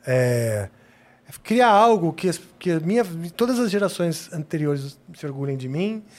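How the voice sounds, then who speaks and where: A man's voice: on the high side, big pitch swings. A man in casual podcast chat, thinking aloud and checking in with "né". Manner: thoughtful, fills pauses with "né".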